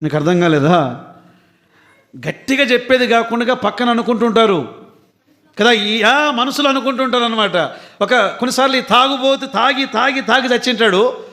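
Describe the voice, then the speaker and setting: Bright high-voiced male preacher. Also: moderate pace. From southern India. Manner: earnest, questioning, with quoted asides. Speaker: pastor and Bible teacher. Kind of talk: sermon-style Bible lesson.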